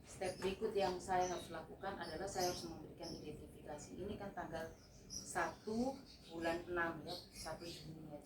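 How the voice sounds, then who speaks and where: Low-voiced woman demonstrating plant repotting. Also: recorded from a distance. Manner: explains step by step to viewers with frequent fillers. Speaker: plant nursery grower. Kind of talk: casual hands-on gardening demonstration. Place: plant nursery. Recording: echoey, off-mic, with loud background noise.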